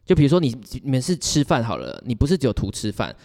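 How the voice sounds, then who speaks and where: This time the Taiwanese-accented co-host speaks fast in a gravelly, slightly mellow mid-range voice whose pitch swoops wildly. He is still chatting casually and rambling through personal stories with giggles, in a reverberant, hall-like recording.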